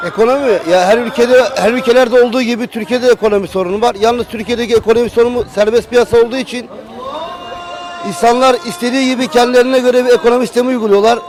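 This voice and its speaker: A man's voice: very high voice, fairly even intonation, very fast, a little mellow, rough recording. A man giving his political views in a street interview, fluent and confident. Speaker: passerby interviewee.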